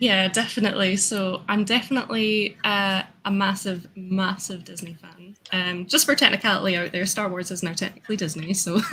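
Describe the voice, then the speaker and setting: With a Scottish accent, a woman talks at a moderate pace with hardly any pauses, a medium pitch and fairly even intonation. Her tone is bright and sharp, with big swings in loudness. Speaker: Lego builder and content creator. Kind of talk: casual interview chat.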